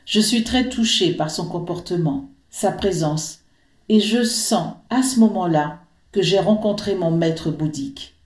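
A middle-aged woman from French Guiana reading her personal testimony in an earnest, measured way. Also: on the low side, darkish tone, echoey room. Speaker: podcast guest.

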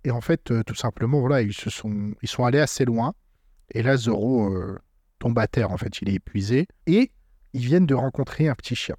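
A man co-hosting a casual podcast chat, retelling a manga chapter with lively asides. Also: medium pitch, fairly quick, dry recording, clean studio sound. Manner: animated retelling, laughing while acting out scenes. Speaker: podcast co-host.

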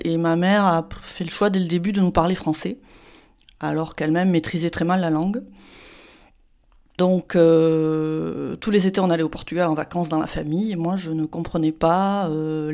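A woman in her forties from France speaks in a somewhat low voice, hesitant and moved. Her words come in halting bursts. She is telling a personal story to an interviewer. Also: a little mellow. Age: 40s. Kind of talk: personal testimony.

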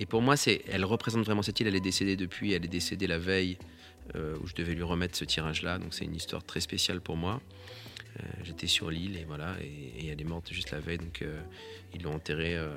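A man, a photographer, giving a reflective and halting spoken account of one of his photographs, restarting his sentences often. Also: deep voice, vocal fry, a bit bright. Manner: halting, with many restarts and pauses.

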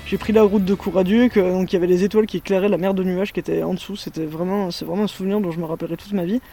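A woman's voice: on the low side, fairly even intonation, racing, mellow, soft background music. A woman in her thirties with a Parisian accent, chatting as a guest in a casual interview, hesitant and full of fillers and restarts, recorded outdoors in a garden. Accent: Parisian French. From France. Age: 30s. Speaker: guest, musher. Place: sunny garden in the mountains, outdoors.

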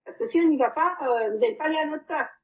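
A woman's voice: high-pitched, fast talker, rough recording. A woman in her fifties, of Portuguese origin, giving a heartfelt testimonial about her coaching with frequent hesitant fillers. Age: 50s. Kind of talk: emotional personal testimony.

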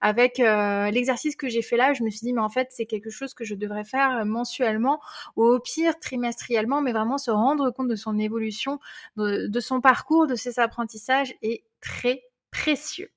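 A woman's voice: a little high, steady tone, normal speed. A woman, hosting her own podcast in a chatty way, with many hesitations. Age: 30s. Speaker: podcast host. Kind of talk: casual solo podcast talk.

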